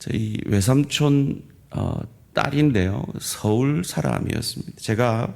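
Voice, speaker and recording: This man speaks at a very slow pace with lively intonation. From South Korea, Gyeongsang region. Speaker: pastor. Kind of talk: sermon. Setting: church.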